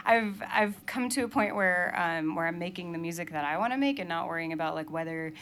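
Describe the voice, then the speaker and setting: A woman's voice: lowish voice, brisk, fairly bright tone. A young adult woman from Maine, a musician chatting casually in an interview, laughing often and filling her talk with "like" and "um". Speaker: musician guest.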